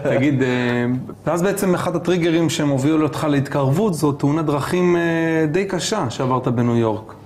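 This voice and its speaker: A male journalist interviewer with a slightly high voice, asking short prompting questions. Faint background noise sits under his voice. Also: few pauses, darkish tone. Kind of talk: in-depth interview.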